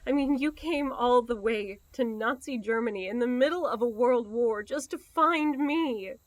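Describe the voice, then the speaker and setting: A woman's voice: on the high side, moderate pace, no echo, close to an everyday voice. A woman playing a devoted, steadfast woman in love, speaking earnestly and reassuringly in an intimate audio drama.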